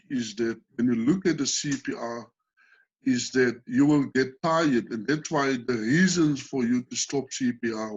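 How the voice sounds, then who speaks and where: A man's voice: mid-range voice, slightly rough. A South African man teaching first aid on a video call, patiently explaining steps and asking the group questions. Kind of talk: online training session. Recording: dull lo-fi call audio.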